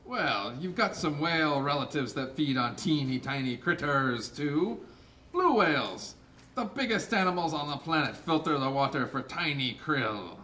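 Man voicing a bright, bouncy barnacle puppet, slow lively delivery, distant mic. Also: fairly high pitch. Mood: jolly. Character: boastful deep-sea barnacle, cheery filter feeder. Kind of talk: live puppet show. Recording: distant mic with faint noise.

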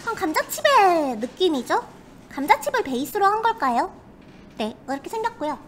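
Perky woman with very high cutesy voice. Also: sing-song, brisk, slight background noise. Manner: polite, perky, refers to herself by name. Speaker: host, snack reviewer. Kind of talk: casual livestream commentary.

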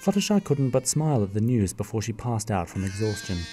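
A man's voice: fairly low pitch, sing-song, fairly quick, dark tone, slight background noise. A man narrating a fan radio play in a wry, jokey way.

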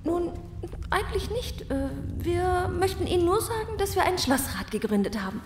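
A woman playing a polite, eloquent castle servant in a comic fairy-tale audio drama, formal and smoothly official. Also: very high voice, sing-song, moderate pace, roomy sound, background noise. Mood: hesitant, polite.

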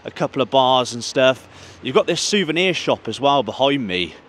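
A man's voice: mid-range voice, animated, moderate pace, a bit bright. A man in his thirties narrates a walking vlog around a football ground, talking chattily to his viewers as "guys". He speaks into a handheld mic outdoors on city streets. Street traffic passes in the background. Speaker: football travel vlogger. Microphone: handheld mic, camera at arm's length.

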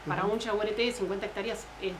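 A woman's voice: medium pitch, fairly even intonation, rapid-fire, crowd noise. A woman with an Argentine accent explaining conservation work in an unscripted documentary interview. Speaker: conservation project worker being interviewed.

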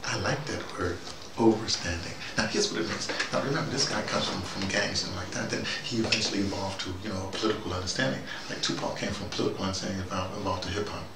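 An older man with a gravelly voice giving a rambling, conversational spoken commentary, circling back and repeating words as he goes. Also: low-pitched, quick pace. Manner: digressive, repeats words, conversational, animated asides. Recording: roomy, distant mic, noticeable background noise.

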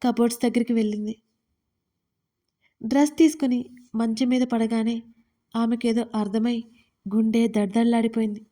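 Mellow-voiced woman narrating an audio story. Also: a little high, fairly even intonation, moderate pace, long pauses.

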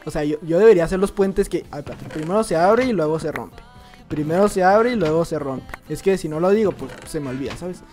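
A young man with a Mexican accent giving excitable, jokey gameplay commentary and talking to himself as he plays. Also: fairly high pitch, fairly quick, faint music behind. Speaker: gaming youtuber.

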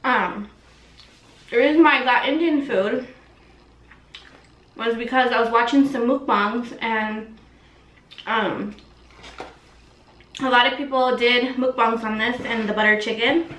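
Bright-voiced young woman, echoey room. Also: fairly high pitch, fairly even intonation, a little slow, long pauses, far from the mic. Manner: chatty, many ums and likes, talks while eating. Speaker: vlogger. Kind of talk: casual mukbang eating vlog.

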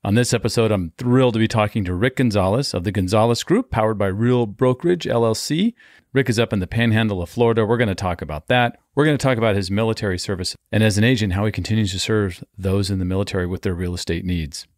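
A man's voice: fairly low pitch, fast talker, dry recording, clean studio sound. A man hosting a podcast interview, friendly and upbeat, recorded at a conference. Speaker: podcast host. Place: hallway at a conference.

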